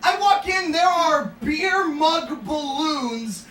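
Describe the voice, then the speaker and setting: A man doing a stand-up bit, telling a story with loud, punchy joke delivery. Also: very high voice, lively intonation, slow pace. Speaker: stand-up comedian. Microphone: far from the mic. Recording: echoey room from far off, noisy.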